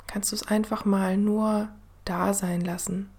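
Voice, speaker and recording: A woman host guiding a meditation in the soothing manner of a sleep story narrator, gentle and unhurried, with a soft, breathy voice that often drops to a near-whisper. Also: mid-range voice, little pitch movement. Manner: gentle, unhurried, with long pauses. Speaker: podcast host and meditation guide.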